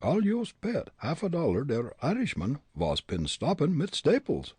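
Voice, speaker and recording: A man's voice: on the high side, huge pitch swings, a little slow, a little mellow, husky, no echo, pitched above the performer's own voice, exaggerated voice. A man voicing a mischievous young German amateur sleuth, muttering slyly in a thick German accent in a storybook reading. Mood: amused. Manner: sly, amused muttering.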